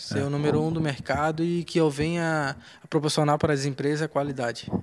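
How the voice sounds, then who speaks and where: The man's fairly high-pitched voice moves at a fairly quick pace. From Biguaçu, Santa Catarina, Brazil; Santa Catarina, Brazil. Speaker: graphic agency owner; guest. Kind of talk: interview. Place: studio. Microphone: handheld.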